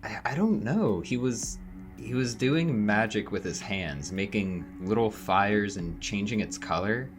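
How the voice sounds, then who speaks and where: A young man playing a shaken, earnest young witness in an audio drama, hesitant, halting and casual. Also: lowish voice, over music, natural voice. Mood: uneasy recounting. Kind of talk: naturalistic audio drama acting.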